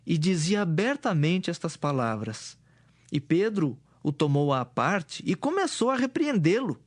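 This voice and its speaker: A man narrating scripture from a script in a measured, solemn manner. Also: on the high side, sing-song, no room sound, studio quality. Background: music.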